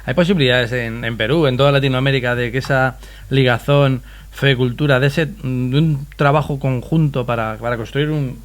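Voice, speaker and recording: A man's voice: mid-range voice, steady tone, moderate pace. Hesitant male interview host. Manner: hesitant, stumbles and repeats words. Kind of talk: conversational interview hosting.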